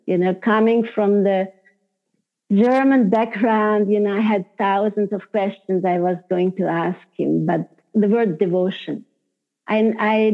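An older woman, a spiritual teacher recounting personal memories in an interview, unhurried and full of soft laughs and "you know" fillers. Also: medium pitch. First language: Hungarian. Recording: tinny phone-like audio.

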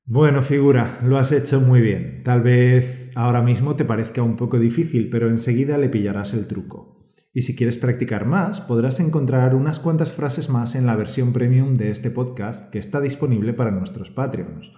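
A man co-hosting a scripted teaching podcast. He explains calmly and encourages the listener. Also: medium pitch, moderate pace. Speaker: podcast co-host and Spanish teacher. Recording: roomy echo.

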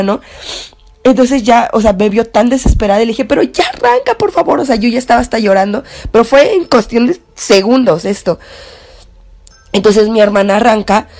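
A woman's voice: on the high side, a little mellow. Chatty Mexican woman telling a scary anecdote. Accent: Mexican Spanish. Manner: chatty, full of fillers and restarts.

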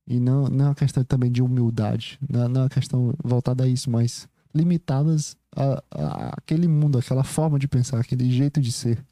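A man with a Brazilian accent thinks out loud in a loose, wandering monologue. His voice is very dark and mellow, and the sound is close and dry. He keeps stopping to restart his sentences and checks in with the listener as he goes. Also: medium pitch, steady tone, fast, few pauses, no room sound. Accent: Brazilian Portuguese. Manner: rambling, hesitant, many restarts and "you know?" tags. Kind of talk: casual reflective monologue.

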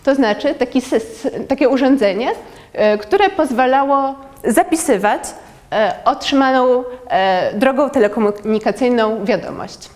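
A young woman presents a lecture to an audience, walking through her slides step by step. Her voice sits a little high, and she often pauses on hesitant fillers as she explains. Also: animated, darkish tone. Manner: measured, with frequent filler pauses.

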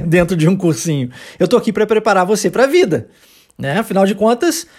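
A teacher with a Brazilian accent hosting an informal language lesson podcast, speaking conversationally and emphatically, with frequent short check-in tag questions. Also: medium pitch. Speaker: English teacher and podcast host.

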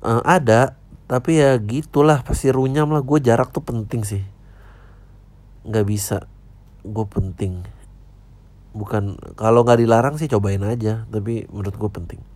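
A man hosts a casual podcast, giving blunt, offhand answers to listener mail. His voice sits low and sounds mellow and dark. He is in his thirties. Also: fairly even intonation, unhurried, pauses often. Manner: blunt, offhand, slangy replies.

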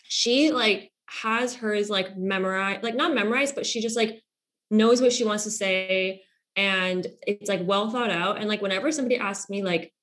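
A young woman hosts her podcast in a relaxed, friendly chat. She fills her speech with "like" and small hesitations, at an everyday middle pitch. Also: normal speed. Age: young adult. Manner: filler-heavy, lots of "like". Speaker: podcast host. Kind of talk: casual chat.

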